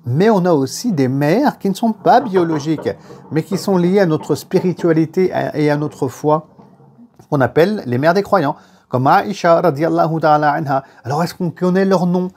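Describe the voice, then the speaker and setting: A French-born man giving an animated religious lesson, telling anecdotes and repeating phrases for emphasis. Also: fairly high pitch, normal speed. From France. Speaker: religious teacher. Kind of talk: lively lecture on faith and history.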